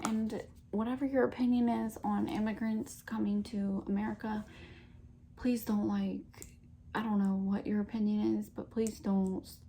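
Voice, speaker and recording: A young woman in a soft-spoken ASMR chat, rambling casually with lots of fillers and giggles. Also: a little high, a little hiss or hum. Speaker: ASMR creator.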